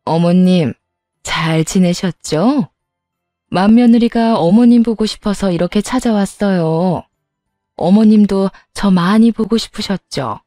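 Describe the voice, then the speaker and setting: A woman's voice: mid-range voice, normal speed, warm tone, dry recording, studio quality, soft background music, close to an everyday voice. A woman voicing a greedy, scheming older sister-in-law who talks in a brazen, demanding way. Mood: fake sweet. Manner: sugary then brazen and demanding.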